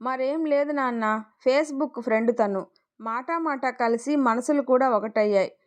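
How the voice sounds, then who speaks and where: A woman's voice: sits high, unhurried. A woman voicing an evasive, self-excusing young husband in a storybook tale. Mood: defensive. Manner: evasive, pleading.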